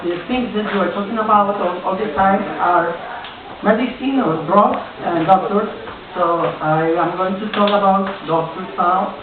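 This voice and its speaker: A high-pitched Colombian comedian in his 40s, a native Spanish speaker, performs a stand-up set in a small comedy club, halting and searching for words with many restarts. The recording is tinny, echoey and captured from a distance, with audience laughter in the background.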